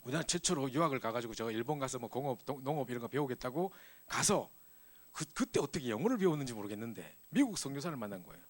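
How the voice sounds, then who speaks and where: A middle-aged man preaching to a church youth group, telling a personal story in a lively, animated way. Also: medium pitch, fast talker. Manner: animated storytelling, acts out scenes. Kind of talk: sermon with personal testimony.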